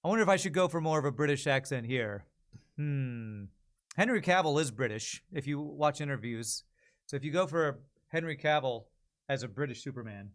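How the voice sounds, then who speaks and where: A man's voice: medium pitch, lively intonation, moderate pace, fairly bright tone. A man chatting casually as a streamer, thinking aloud to his viewers. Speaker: streamer practicing voice-over.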